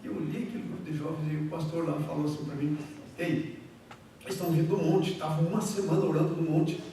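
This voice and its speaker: A man pastor preaching a sermon, telling a story animatedly, with loud exclamations and then quieter asides. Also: fairly high pitch, flat delivery, very fast. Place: church hall. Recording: far-off mic in a very echoey hall with faint noise.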